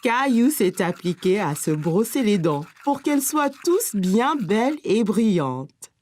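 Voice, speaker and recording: A woman's voice: medium pitch, very animated, a little slow, darkish tone. A woman playing a kindly storyteller and teacher in a French-dubbed children's cartoon, over music. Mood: gentle storytelling. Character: kindly storytelling woman narrator, also voicing preschool teacher. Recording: light music behind the voice.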